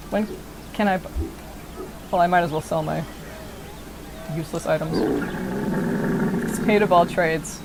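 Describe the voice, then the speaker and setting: A young American woman streamer thinking out loud while she plays. She rambles and digresses, swearing freely. Her pitch sits at an ordinary middle level, with faint noise in the background. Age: 20s. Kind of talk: casual gameplay commentary.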